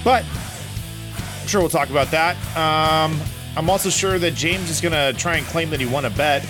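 A man's voice: a little high, normal speed, over music. A man hosting a sports podcast in a casual, chatty style.

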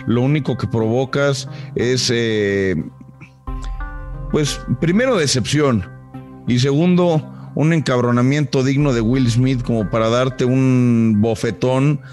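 A man's voice: medium pitch, slow pace, darkish tone, soft background music. A man with a Mexican Spanish accent co-hosting a sports podcast, scolding a colleague in mock outrage. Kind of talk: heated casual sports banter.

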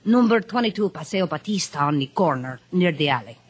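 An actress playing a big, jolly, flirtatious Cuban dance-hall madam in a radio drama, effusive, with a Cuban Spanish accent. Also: female voice, lowish voice, animated, brisk, husky. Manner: effusive, theatrical, teasing. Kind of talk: 1950s radio drama acting.

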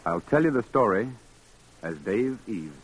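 A man's voice: lowish voice, sing-song, a little slow, very noisy. A young man with a Southern accent narrating and playing a Navy veteran coming home in a 1940s radio drama, earnest and plain-spoken.

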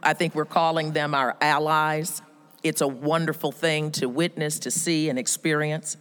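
A woman giving an emphatic motivational speech, telling stories with lively quoted voices. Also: low voice, moderate pace. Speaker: speaker at a women's event. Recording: reverberant hall.

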